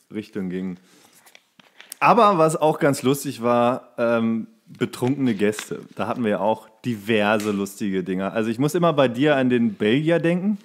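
Young man in casual banter. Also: on the low side. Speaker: podcast co-host.

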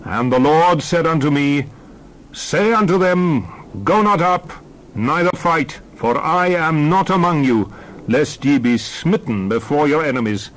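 A man's voice: on the high side, expressive, unhurried, low-quality recording. A man playing a solemn prophet addressing his people, grave and oratorical, in a dramatized scripture reading. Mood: solemn, admonishing.

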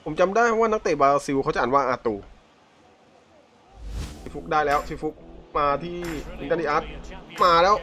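A young man commenting on a football video game as he plays, with loud outbursts, laughter and swearing. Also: on the high side, fast. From Thailand. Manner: swings from calm play-by-play to loud shouting and laughing, swears often. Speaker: gaming YouTuber. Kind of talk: excited live game commentary. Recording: game music playing behind the voice. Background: clear game music.

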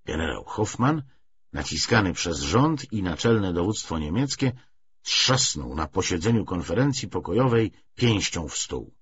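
A man reading a historical novel aloud as an audiobook narrator, in an expressive, scripted literary style. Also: low-pitched, measured pace, a little hiss or hum. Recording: dull, lo-fi audiobook recording.

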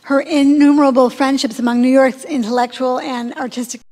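A woman reads a prepared introduction into a desk microphone in a large hall. Her voice sits high, and her careful reading trips over a few names while the hall's long reverb hangs behind her. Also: fairly even intonation, fairly quick, a little mellow. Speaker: event host introducing the speaker. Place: large lecture hall, seated at a lectern.

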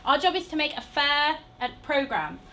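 A woman's voice: high-pitched, big pitch swings, normal speed, pushed and bright, a little hiss or hum, exaggerated voice. A woman playing a stern, indignant TV producer, scolding and giving commands.

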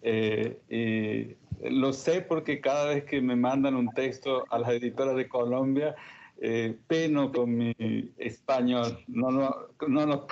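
A man's voice: mid-range voice, a little mellow. A man moderating a conference panel, hesitant with many fillers and a joking tone, heard through muffled room audio.

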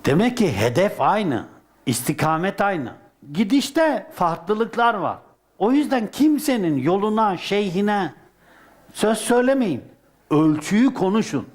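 Fairly high-voiced older male Sufi preacher. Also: big pitch swings, a little slow. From Turkey. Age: middle-aged or older. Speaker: Sufi sheikh. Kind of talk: sermon.

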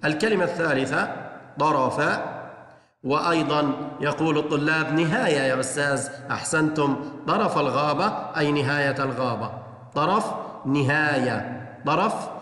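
Man, schoolteacher, slow syllable-by-syllable speech, encouraging, reverberant room. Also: medium pitch, a bit bright. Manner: slow, drawn-out syllable-by-syllable pronunciation; encouraging, praising imagined pupils. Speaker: teacher. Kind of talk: recorded lesson for young children. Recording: echoey room with long reverb.

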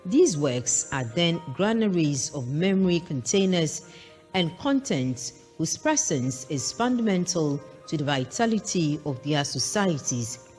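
A woman's voice: deep voice, sing-song, a little slow, darkish tone. A woman giving a solemn, formal scripted narration about an exhibition in a declamatory way. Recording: long echoing reverb, music behind. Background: music.

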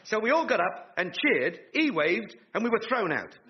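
An actor playing a pompous, chummy, self-important MP in a radio sitcom, boastful and colloquial. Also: male voice, high voice, sing-song, normal speed, dull audio. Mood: boastful anecdote. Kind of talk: 1950s-style radio sitcom acting.

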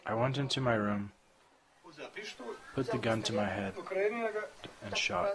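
A man in his forties from Croatia, with a Croatian accent, giving a slow, candid personal testimony to a group in a covered outdoor courtyard. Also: mid-range voice, sing-song, creaky, rough recording. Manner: slow, measured and candid, with short plain sentences. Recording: crowd murmur behind. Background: group of listeners.

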